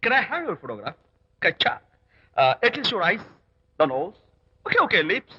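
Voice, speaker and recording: A charming, teasing young hero in a film. His voice is very bright and lively, and he slips English words in playfully. The film sound is a little dull, with music beneath. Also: sits high, very slow, breathy edge, no room sound, exaggerated voice. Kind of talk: film dialogue.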